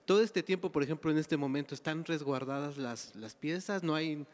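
A man's voice: fairly high pitch, a little fast. A man in his thirties, a reporter asking questions at a press conference. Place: large indoor press conference hall. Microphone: handheld microphone. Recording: reverberant hall, handheld microphone.

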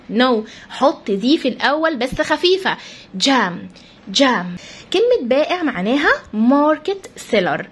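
A woman's voice: sits high, husky. A woman teacher with an Egyptian Arabic accent giving a vocabulary lesson to children. She drills each word by repeating it and spelling it out letter by letter, and she talks straight to the pupils. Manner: coaxing, addresses pupils directly. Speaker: English teacher.

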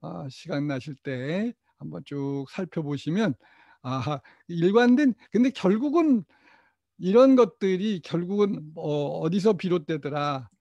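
Middle-aged man lecturing teachers, mellow. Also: a little high, expressive, a little slow, gravelly, no echo, muffled recording. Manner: asks questions and answers them himself, leads call-and-response, chuckles often. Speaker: teacher trainer.

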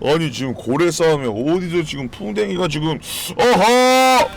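A man chatting casually with his live-stream audience, joking, swearing freely and breaking into sudden loud outbursts. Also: on the high side, lively intonation, a little fast, gravelly, soft background music. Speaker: game streamer.

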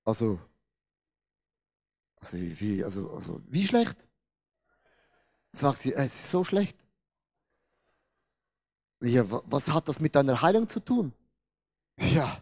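A man preaches from a large church stage, speaking into a handheld mic. His voice sits fairly high for a man. He acts out the story, turning loud and then suddenly hushed. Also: slow, pauses often. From Switzerland. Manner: animated storytelling, swings between loud and hushed. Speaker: pastor. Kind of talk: sermon with acted-out story.

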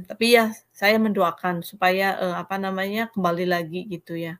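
Over a video call, a woman shares her personal faith testimony in an interview, recounting her story earnestly and haltingly. Her voice is mid-range, a bit bright, with fairly even intonation.

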